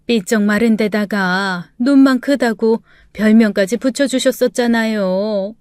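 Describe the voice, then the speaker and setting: Weeping middle-aged mother-in-law in a radio drama, slow imploring delivery, voiced by a woman. Dry close mic. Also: a little high, darkish tone, clear, resonant tone, no room sound, lightly acted. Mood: pleading.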